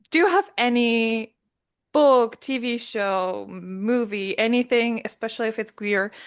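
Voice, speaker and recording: With a non-native accent, a woman talks at a fairly high pitch with ordinary pitch variation against a quiet background. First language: not English. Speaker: podcast host. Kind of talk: casual chat.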